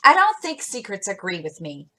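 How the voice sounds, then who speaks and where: A woman's voice: mid-range voice, huge pitch swings, normal speed, sharp tone, heavily acted. A woman reading aloud and voicing a blunt, spirited teenage girl in a storybook. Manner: blunt and fierce.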